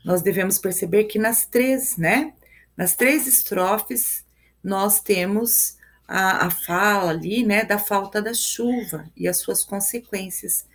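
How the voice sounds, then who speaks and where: Brazilian woman teacher, live review class, patient step-by-step explainer who checks in with "né?". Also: mid-range voice. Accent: Brazilian Portuguese. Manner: explains step by step, counts syllables aloud, tags lines with "né?" and "ok?". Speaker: Portuguese teacher.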